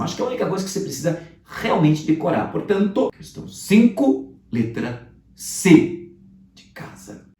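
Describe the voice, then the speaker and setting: A man teaching literature, reviewing exam questions in a lively, conversational way and talking straight to his students. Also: on the high side. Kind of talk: commented exam review lesson. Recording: roomy sound, voice off-mic.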